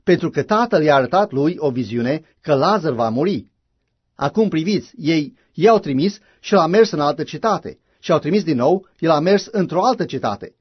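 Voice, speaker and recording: A man's voice: on the high side, expressive, breathy edge, dry recording. A man preaching a sermon in a fervent, emphatic way, with frequent exclamations. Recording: dull lo-fi recording.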